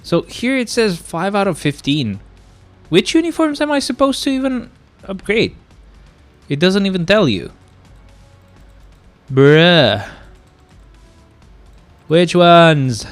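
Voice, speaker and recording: A young man with a stuffy nose from a cold, chatting casually to his live-stream viewers and getting exasperated with the game. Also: on the low side. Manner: chatty, easily exasperated, talks to chat.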